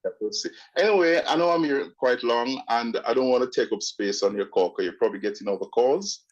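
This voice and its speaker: A man's voice: mid-range voice, fairly quick, dull audio. A Jamaican man with a partly British accent, calling in to a radio show and chatting casually with opinions and stammering restarts. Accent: Jamaican with British mix. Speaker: caller. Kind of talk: casual call-in chat. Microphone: phone line.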